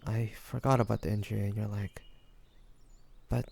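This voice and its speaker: A man playing a devoted young man, a tender best friend in an intimate fantasy audio roleplay, speaking gently and haltingly with sighs and pauses. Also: on the low side, level tone, creaky, a little hiss or hum. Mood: anxious, pleading.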